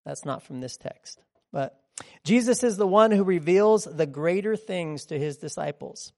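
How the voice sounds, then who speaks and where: A man's voice: high voice, expressive, measured pace, gravelly. A man preaching a conversational teaching sermon in a rambling, digressive way, often checking in with listeners.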